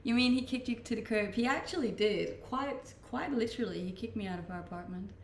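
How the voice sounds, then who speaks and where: A woman's voice: on the high side, a little fast, reverberant, a little hiss or hum. A woman from Denmark with a Danish accent, chatting casually on a live stream as she reads out viewer comments and answers them, laughing often. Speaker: Twitch streamer.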